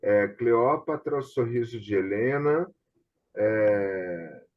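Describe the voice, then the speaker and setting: A man's voice: fairly low pitch, lively intonation, takes it slowly. A Brazilian man hosting a conversation, reading out items and commenting casually, over dull online call audio. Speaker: host.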